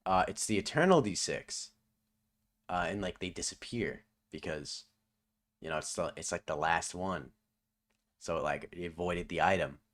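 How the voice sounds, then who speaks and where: A young man casually commentating over his own video, laughing often, swearing and now and then yelping loudly. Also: deep voice, moderate pace. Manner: laughs often, swears, bursts into loud yelps. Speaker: video essay creator doing live commentary.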